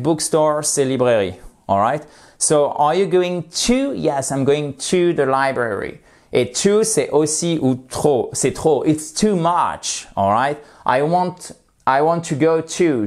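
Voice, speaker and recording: A man teaching an online pronunciation lesson, patiently repeating example words slowly and checking in with his viewers. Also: on the high side, a little mellow. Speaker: English teacher.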